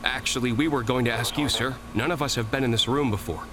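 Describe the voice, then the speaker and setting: A man's voice: mid-range voice, steady tone, fast talker, noisy background, lightly acted. A man playing a deferential, fearful security guard in an audio drama, speaking meekly. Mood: nervous, deferential. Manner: meek, deferential.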